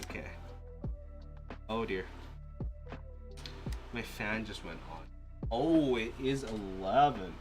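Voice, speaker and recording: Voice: mid-range voice, expressive, takes it slowly, long pauses, music in the background. A live streamer casually thinking aloud, muttering to themself with restarts and sudden exclamations. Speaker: live streamer testing keyboards.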